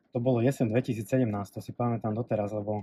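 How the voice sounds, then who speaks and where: A man's somewhat breathy voice carries a dark, mellow tone and fairly even intonation. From eastern Slovakia. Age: 30s. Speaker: bodybuilder. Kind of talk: casual interview. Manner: hesitant, many fillers.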